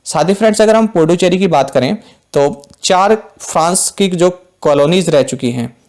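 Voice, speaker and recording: A man's voice: a little high, moderate pace, darkish tone. A man teaching current affairs for exam prep, explaining terms plainly and calling viewers friends.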